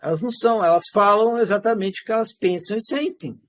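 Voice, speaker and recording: A high-pitched man leads a live class. He is animated and asks rhetorical questions that he answers himself. He also acts out everyday lines in quotes. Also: quick pace. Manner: animated, switches into acted quotes of everyday speech. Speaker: teacher.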